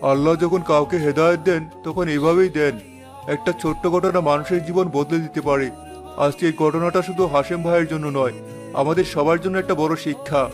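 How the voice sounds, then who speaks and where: An actor voicing a calm village imam in a cartoon, speaking in a measured, preaching way. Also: male voice, fairly high pitch, lightly acted. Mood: content. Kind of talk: cartoon voice acting. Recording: music underneath.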